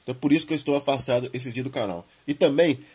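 Brazilian male gaming host, informal and slangy, mid-pitched, husky from flu and a sore throat. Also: rapid-fire, darkish tone. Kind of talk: casual gaming news commentary, reading and commenting on an article.

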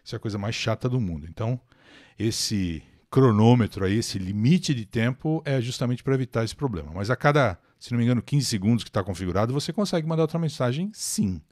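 An older Brazilian man teaches a live English lesson with a very animated, up-and-down voice. He explains patiently and answers viewers' questions by name. The sound is close and dry, with no room echo. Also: mid-range voice, fairly quick. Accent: Brazilian Portuguese.

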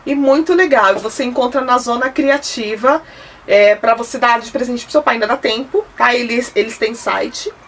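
Chatty Brazilian woman vlogger, raised pitch. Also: normal speed. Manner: chatty and enthusiastic, holding items up to the camera. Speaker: home decor vlogger. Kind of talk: casual product haul chat. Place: indoor room, seated at home. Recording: slightly distant mic, faint hiss.

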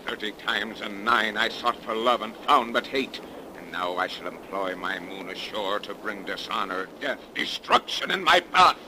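An actor playing a vengeful cursed sea captain, declaiming in grand archaic speech in a 1930s radio melodrama. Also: male voice, on the low side, animated, moderate pace, lightly acted. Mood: bitter, defiant. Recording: noisy 1930s radio broadcast.

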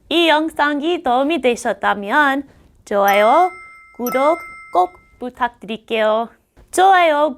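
Very slow high-pitched American woman teacher. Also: a little hiss or hum. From United States. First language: English. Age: middle-aged. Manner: slow, careful, repeats words for drilling. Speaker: English teacher. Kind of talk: explaining grammar on a video lesson.

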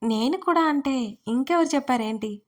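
A woman's voice: sits high, moderate pace, close to an everyday voice. The speaker, a woman voicing a playful teasing young woman. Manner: teasing, childlike banter.

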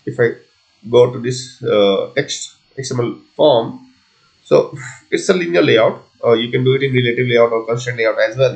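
Creaky-voiced man giving a coding walkthrough. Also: medium pitch, rough recording. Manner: halting, thinking aloud step by step. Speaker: software tutorial presenter. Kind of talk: unscripted screencast coding tutorial.

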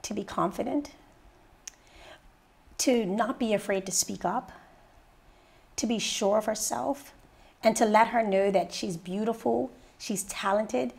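A woman in her thirties from Bermuda, a radio personality and mentor, telling her story in a sit-down interview with lively, rising energy. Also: measured pace, vocal fry, pauses often, breathy edge. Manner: lively storyteller, rises high when excited. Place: living room set indoors.

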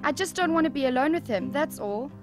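A woman's voice: high voice, animated, a little fast. A woman playing a troubled, hesitant young boy in an audio drama, with guitar music behind. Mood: anxious, reluctant.

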